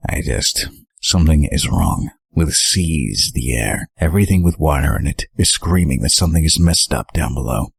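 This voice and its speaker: Superhero leader, played by a man: extremely low, husky, terse and brooding, dry recording. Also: expressive, moderate pace, few pauses, no echo, exaggerated voice. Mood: troubled. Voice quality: gravelly. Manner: terse, guarded. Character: gruff, brooding young male superhero team leader. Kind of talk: amateur audio drama acting.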